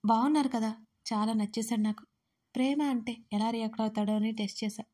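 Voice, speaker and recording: A woman's voice: a little high, steady tone, brisk, warm tone, natural voice. A woman voicing a bold young woman in love who talks in a teasing, self-assured way. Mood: playful.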